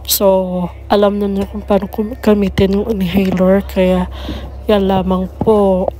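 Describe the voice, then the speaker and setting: A woman's voice: medium pitch, flat delivery, a little slow, warm tone. A woman with a Filipino accent doing casual vlog chat as a mother, slipping easily between languages. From Philippines. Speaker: vlogger and mother.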